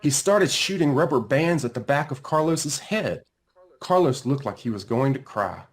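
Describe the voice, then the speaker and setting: A man reading a children's storybook aloud as its author, with deliberate, dramatic emphasis. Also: medium pitch, expressive. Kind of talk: expressive children's storybook narration.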